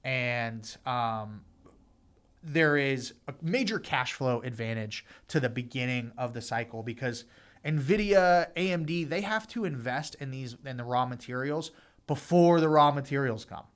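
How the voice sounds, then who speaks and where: A man's voice: mid-range voice, measured pace. A man hosting a finance podcast, explaining in a conversational way, repeating points for emphasis, with frequent fillers. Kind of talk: casual explainer talk.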